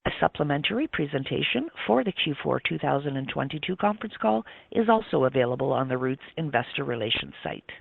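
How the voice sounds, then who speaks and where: Creaky-voiced man on a phone line. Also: mid-range voice, very animated, fast talker, hardly any pauses, dry recording. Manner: formal, reading from a script. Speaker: conference call operator. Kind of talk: scripted corporate announcement. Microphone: telephone. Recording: narrow tinny phone line.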